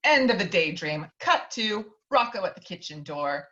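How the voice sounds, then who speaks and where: At an informal table read, a woman reads screenplay stage directions aloud, occasionally stumbling and correcting herself. Her voice is on the low side and bright, with big pitch swings, normal speed and a forceful tone. The audio is dull, lo-fi online call sound.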